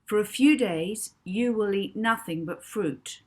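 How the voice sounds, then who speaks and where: A woman's voice: medium pitch, a little slow, voice pushed up, close to an everyday voice. A woman voicing a kind, curious boy who speaks eagerly and sometimes in a whisper. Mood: earnest.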